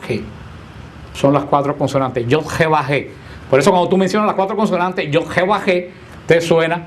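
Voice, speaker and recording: Man teaching a lively Bible class. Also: on the high side, slight background noise. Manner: conversational, asks the class questions, playful teasing.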